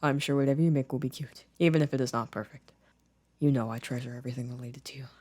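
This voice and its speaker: A gentle young boyfriend played by a man in an ASMR roleplay, with a medium-pitched voice. He speaks softly and a little hesitantly, choosing his words carefully, shy and caring. The recording is very dry and intimate. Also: fairly even intonation, quick pace, dry recording, close to an everyday voice. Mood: calm, modest. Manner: soft, hesitant, careful formal phrasing.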